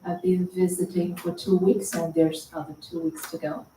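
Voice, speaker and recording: A soft-spoken woman from China, briefly introducing herself as a visiting guest. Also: on the low side, little pitch movement, moderate pace. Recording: echoey room, far mic, faint hum.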